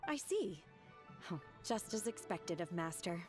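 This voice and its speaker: A woman voicing a calm, earnest young disciple in a video game, with a polite, reserved, matter-of-fact way of speaking. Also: fairly low pitch, measured pace, over music. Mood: sincere.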